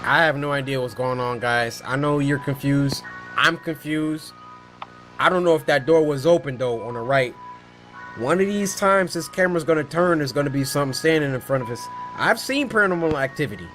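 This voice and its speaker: A man's voice: a little high, a little fast, fairly bright tone, soft background music. A man streaming reactions to horror shorts in casual slang, scared and jumpy, exclaiming and protesting at what he watches.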